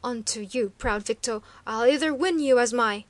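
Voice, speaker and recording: A woman voicing a furious, arrogant male chieftain who shouts savage threats in archaic speech. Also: on the high side, normal speed, no echo, natural voice. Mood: raging.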